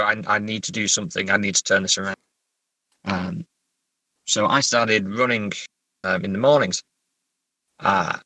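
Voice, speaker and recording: Bright-voiced Englishman, dry close sound. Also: lowish voice, no echo, rough recording. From England. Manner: hesitant, thoughtful, understated. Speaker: author being interviewed. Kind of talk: casual interview chat.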